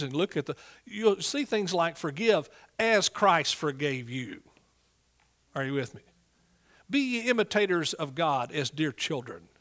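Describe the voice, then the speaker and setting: Preacher, male, middle age. East Texas accent, pitch a little high, folksy and emphatic sermon style. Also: a bit bright. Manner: folksy, emphatic, prompts listeners with amens and hallelujahs.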